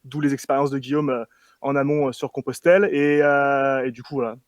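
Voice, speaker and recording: A young man from France, a relaxed guest who talks with many fillers. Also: mid-range voice, a little fast, dry recording. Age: young adult.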